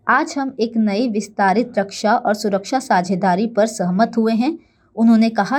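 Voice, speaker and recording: A woman's voice: mid-range voice, darkish tone. Woman reading formal news bulletin. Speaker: news anchor. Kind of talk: scripted news bulletin narration.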